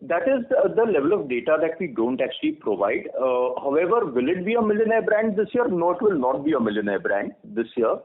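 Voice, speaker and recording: A man's voice: fairly high pitch, very animated, fairly quick, hardly any pauses. A man with an Indian accent answering questions as an executive on an earnings call, explaining things and often tagging phrases with "right?". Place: conference call. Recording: narrow-band phone conference line.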